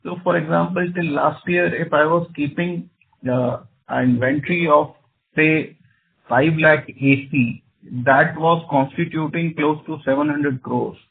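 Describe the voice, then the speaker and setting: A man with an Indian accent, speaking as a company executive, explaining business matters deliberately, point by point. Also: a little high, fairly even intonation, creaky, a little hiss or hum. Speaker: company executive on an earnings call. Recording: dull conference phone line.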